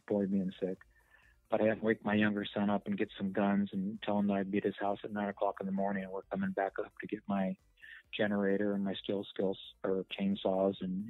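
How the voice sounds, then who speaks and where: A middle-aged or older man tells his own story in a rambling way. His voice is low and very even, on a dull recording. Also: no echo. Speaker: witness telling an account. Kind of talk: rambling first-person storytelling. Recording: dull, dry audio with faint music.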